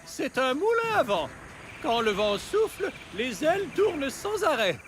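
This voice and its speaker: An actor voicing a fussy, hesitant know-it-all robot helper in a cartoon, pedantic and quick to bluff. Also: high-pitched, big pitch swings, music in the background.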